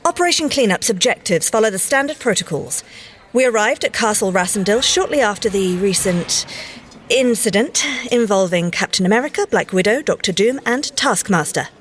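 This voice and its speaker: A woman playing a brisk, by-the-book young secret agent and scientist in an audio drama, crisp and official with mild exasperation. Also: mid-range voice, lively intonation, natural voice. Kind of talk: audio drama field report.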